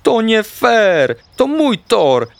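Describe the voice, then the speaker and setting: A man voicing a hot-tempered little boy hamster in a children's storybook, shouty and boastful. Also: a little high, animated, clean tone, dry recording, voice pushed up. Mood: furious. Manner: shouty, boastful, quick to anger.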